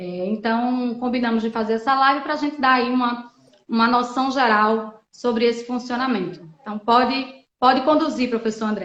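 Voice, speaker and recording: The delivery moves at a moderate pace. Intonation stays fairly even. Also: woman, high pitch for a woman. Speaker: law professor and notary. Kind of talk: live stream discussion. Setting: Instagram live video.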